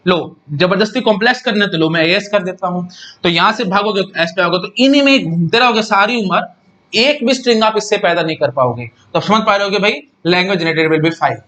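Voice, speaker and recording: A man's voice: sits high, lively intonation, a little fast, pushed and bright. A man giving a casual, chatty lecture, repeating points and often checking whether students follow. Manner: chatty, repeats himself, keeps asking students if they follow. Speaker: teacher.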